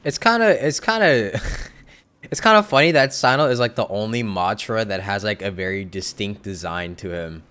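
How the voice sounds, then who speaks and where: A man's voice: fairly low pitch, animated, normal speed, sharp tone, smooth. A man giving casual, laid-back live-stream commentary on a game with short offhand reactions. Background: video game music.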